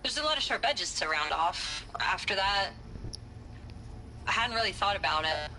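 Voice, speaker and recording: An actress in her thirties playing a dry, wry scientist who makes deadpan complaints. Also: medium pitch, moderate pace, slight background noise, rough recording. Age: 30s.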